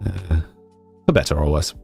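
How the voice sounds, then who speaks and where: A man's voice: extremely low pitch, normal speed, gravelly, soft background music. A young man with an English accent mixing northern and southern sounds, chatting casually with his stream viewers and reading their messages aloud. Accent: English, mixed northern and southern. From England, with family in Scotland. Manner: relaxed, rambling, answers chat aloud.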